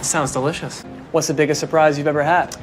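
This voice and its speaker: A woman interviewer firing off short, upbeat questions in quick succession. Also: low-pitched, steady tone, over music. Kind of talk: quick street-style questions.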